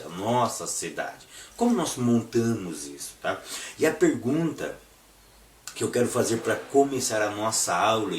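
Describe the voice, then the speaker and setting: A low-voiced Brazilian man speaks with the hoarse, congested sound of a flu and a swollen throat. He teaches a Bible lesson didactically, repeating phrases and asking rhetorical questions. He is picked up from a distance in an echoey room. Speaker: Bible school teacher and preacher. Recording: echoey room, distant mic, faint noise.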